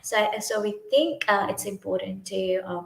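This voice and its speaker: A woman's voice: mid-range voice, moderate pace, gravelly, reverberant. A young woman from Sri Lanka whose first language is Sinhala, speaking as a youth team leader in a livestream talk, hesitant, with many fillers and restarts.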